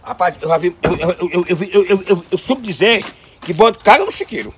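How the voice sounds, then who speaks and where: A man playing a stammering excitable joker. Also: sits high, fairly quick, a little hiss or hum. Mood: excited. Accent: Northeastern Brazilian. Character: excitable joking rural man.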